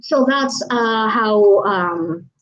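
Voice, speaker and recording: A woman hosts a casual live stream as a psychic reader. She rambles, fills her pauses with "uh," and lets her sentences trail off. Her voice sits high, and the stream audio sounds dull and muffled. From Albania. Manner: rambling, many fillers and trailing phrases.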